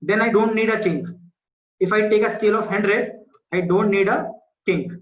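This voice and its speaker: At normal speed, a man with a high-pitched voice and a South Asian accent walks students through an online school maths class step by step. He's repetitive and checks understanding with brief questions. The recording of this indoor online video class sounds muffled and echoey.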